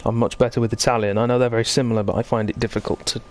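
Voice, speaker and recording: A man's voice: medium pitch, little pitch movement, racing. A man hosting live esports racing commentary in a chatty, conversational way, bantering with his co-commentator. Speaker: sim racing commentator and host.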